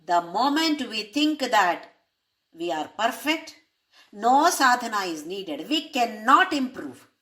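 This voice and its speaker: Woman spiritual teacher, unhurried and fairly high, rhetorical questions, Sanskrit terms. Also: big pitch swings, sharp tone. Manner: asks rhetorical questions to listeners. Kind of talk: explaining a spiritual text.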